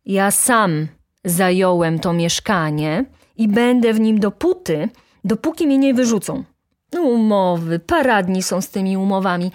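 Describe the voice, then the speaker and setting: Woman doing a shrill, furious young student. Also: expressive, unhurried. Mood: indignant. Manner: shrill outraged shouting. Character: hot-tempered poor young male student, indignant.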